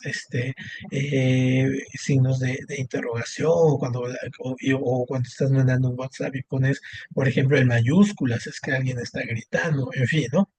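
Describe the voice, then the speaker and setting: A man's voice: mid-range voice, darkish tone, no room sound. Man teaching a class. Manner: explanatory, frequent "¿no?" and "este" fillers. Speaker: Spanish language teacher. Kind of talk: online class lecture.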